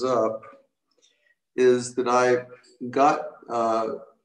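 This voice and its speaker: Speaking at a medium pitch, a man is heard with audible room echo. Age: 70s. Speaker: spiritual teacher. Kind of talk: lecture. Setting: video call. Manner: slow.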